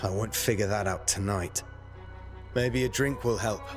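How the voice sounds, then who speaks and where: A man's voice: on the low side, moderate pace, lightly acted. A man playing a cocky, driven young warrior hero in a video game, with a brash, self-assured manner. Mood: reflective. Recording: music behind the voice.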